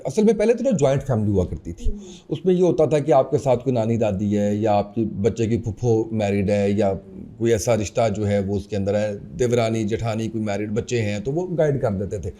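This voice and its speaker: A man's voice: on the low side, mellow. A man hosting a podcast interview, asking long, explanatory questions. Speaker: podcast host.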